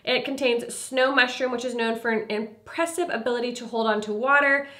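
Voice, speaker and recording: A woman's voice: on the high side, steady tone, a little fast. Chatty young woman, a bit nasal. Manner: chatty, filler-heavy, trailing into quiet asides. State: congested, slightly nasal. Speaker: beauty vlogger. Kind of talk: casual product review and makeup demo.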